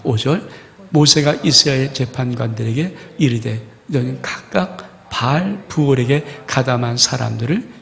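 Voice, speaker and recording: A man's voice: mid-range voice, gravelly, fairly bright tone, big-room sound. A male pastor preaching a fervent sermon and reading scripture aloud to his congregation. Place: church sanctuary.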